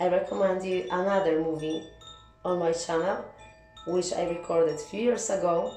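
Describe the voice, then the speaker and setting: A woman with a Polish accent at medium pitch and moderate pace, fairly even in intonation, with music in the background and audible room echo. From Poland. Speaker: spiritual teacher, self-described witch. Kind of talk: ritual talk to viewers. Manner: hesitant, with fillers.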